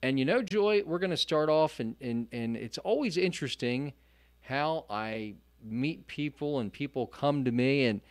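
A man's voice: medium pitch, lively intonation, unhurried, no room sound. A man hosting a Christian radio interview program, earnest and rambling, with frequent restarts. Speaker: radio show host. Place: radio studio.

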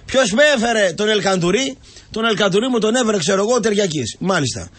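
A man's voice: high-pitched, expressive, a bit bright, breathy edge. A man who is a football pundit, ranting and mocking in a heated comic sports talk show. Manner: ranting, mocking, keeps cutting in.

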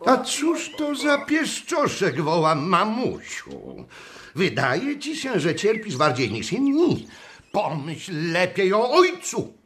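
A pedantic, strict schoolteacher in a radio play. His voice is high and sharp and leaps wildly in pitch as he lectures with callous pomposity. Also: huge pitch swings, slow, heavily acted. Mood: scolding. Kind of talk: radio drama acting.

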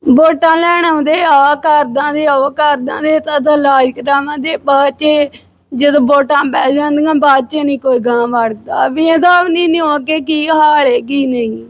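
A woman's voice: high-pitched, steady tone, normal speed. A woman being interviewed, complaining that no one helps her family and pleading for support.

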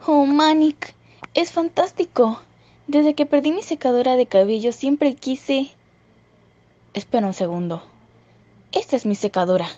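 Polite young cartoon hedgehog girl played by a woman, mellow, higher-pitched, dull recording. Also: measured pace, pauses often. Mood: pleased, then puzzled. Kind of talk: cartoon fan dub acting. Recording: muffled recording, music behind.

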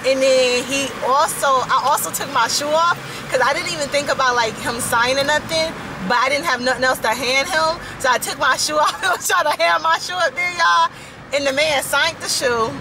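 Young woman, slightly raspy, chatty vlog talk, phone at arm's length, noisy car and store. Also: high voice, moderate pace, a crowd in the background. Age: young adult. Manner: chatty, addresses viewers as y'all, laughs often. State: slightly raspy from yelling at a concert. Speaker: vlogger. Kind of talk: casual vlog chat. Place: inside a car, then in a store. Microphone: handheld phone camera at arm's length. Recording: background noise from car and store.

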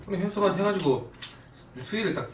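A man's voice: high-pitched, animated, brisk, distant mic. A man in his twenties chatting casually as a guest on a stream. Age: 20s. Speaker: guest, gamer. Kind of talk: casual chat. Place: small indoor streaming room. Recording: echoey room, off mic, faint noise.

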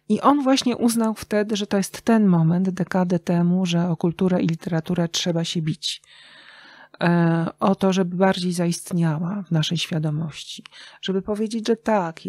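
Middle-aged woman, lower register, conversational storyteller in an interview, recorded dry and close. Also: a little mellow, no room sound. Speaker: interview guest, radio journalist and writer.

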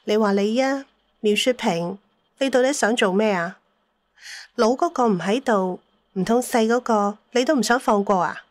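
A woman's voice: a little high, moderate pace, no room sound, natural voice. A woman playing a strong-willed, bossy elderly mother who scolds and needles in an audio drama. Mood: needling, stern. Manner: scolding, needling, mock-aggrieved.

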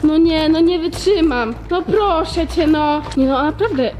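High-pitched pleading young woman. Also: measured pace, a little mellow, slight background noise. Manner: pleading, whiny, exasperated. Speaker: camera operator and co-host of a video series. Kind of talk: staged spooky adventure vlog. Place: abandoned concrete ruins.

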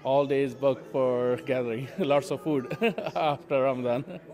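A man from Pakistan giving a halting, cheerful street interview at a celebration. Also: medium pitch, steady tone, lo-fi sound, crowd noise.

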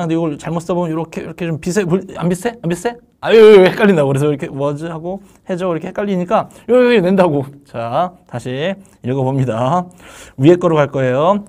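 Higher-voiced man drilling grammar in a lecture. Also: a little mellow. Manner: drilling students with call-and-response questions. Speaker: English exam tutor. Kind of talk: live online grammar lecture.

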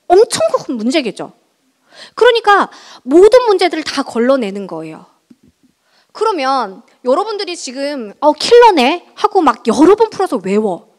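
A woman math teacher giving a lively exam-prep lecture to high school students in a large school auditorium, chatty and often checking in with her listeners. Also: moderate pace. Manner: chatty, keeps checking in with the audience.

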